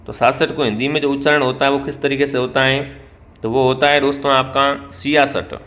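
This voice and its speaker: A male online exam-prep teacher with a Rajasthani Hindi accent runs a quick-fire spelling quiz, repeatedly calling out to viewers as friends, asking them questions and then answering himself. His bright, forward voice sits at an ordinary middle pitch, and his delivery is flat.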